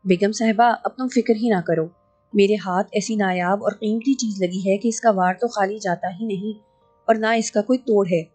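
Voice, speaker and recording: A woman's voice: mid-range voice, fairly even intonation, warm tone, breathy edge, faint music behind, lightly acted. A woman voicing a scheming, greedy male sorcerer who boasts, bargains and threatens.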